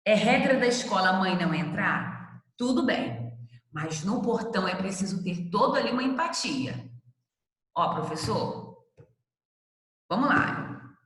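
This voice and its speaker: A woman's voice: mid-range voice, animated, moderate pace, reverberant, big-room sound, rough recording. A woman lecturer giving a conversational class, addressing students by name and asking them questions. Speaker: university lecturer.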